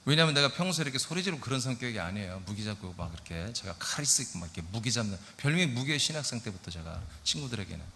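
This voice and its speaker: A middle-aged male pastor preaching a lively sermon, often asking his congregation questions. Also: mid-range voice, rapid-fire, hardly any pauses, slight background noise. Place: church sanctuary. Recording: church hall reverb.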